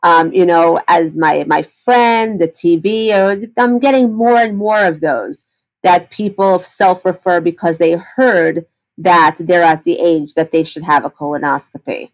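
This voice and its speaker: A woman's voice: fairly low pitch, a little slow, poor audio. A woman gastroenterologist answering interview questions, explaining in detail with frequent fillers and restarts.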